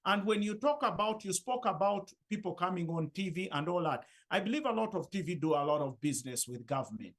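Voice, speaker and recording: A man's voice: high-pitched, lively intonation, fairly quick, hardly any pauses, a bit bright. A man speaking emphatically and persuasively as a panelist in a discussion.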